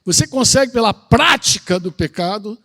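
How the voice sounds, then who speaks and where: A man's voice: high voice, expressive, moderate pace, a bit bright. A middle-aged man, preaching a conversational sermon and asking his congregation questions. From Brazil. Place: outdoor country retreat gathering.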